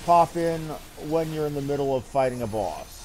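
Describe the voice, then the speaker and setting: A man's voice: fairly high pitch, lively intonation, moderate pace, a little mellow, slight background noise, low-quality recording. A man giving casual live commentary while streaming a game, with a wry, mildly profane way of talking.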